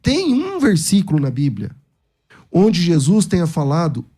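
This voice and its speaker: A man's voice: fairly high pitch, wildly swooping pitch, unhurried, dark tone, slightly rough. A man arguing his side in a theological debate, emphatic and argumentative. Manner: emphatic, argumentative, acts out quoted speech.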